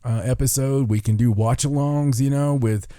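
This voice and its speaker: A man's voice: mid-range voice, fairly even intonation, normal speed, mellow, clear, resonant tone, no room sound, clean studio sound. A man hosting a podcast in casual, rambling, jokey chat, full of enthusiasm. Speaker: podcast host.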